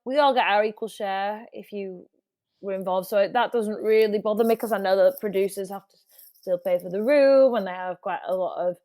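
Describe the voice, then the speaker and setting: A woman's voice: medium pitch, moderate pace, warm tone, no room sound. A middle-aged woman, a music industry guest, chatting casually in an interview with frequent restarts. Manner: chatty, restarts often, laughs easily.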